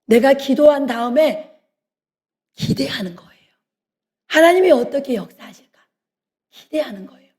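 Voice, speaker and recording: A middle-aged woman preaches a sermon with a high, mellow voice. She exhorts earnestly and slows down for emphasis. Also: lively intonation. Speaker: pastor's wife preaching.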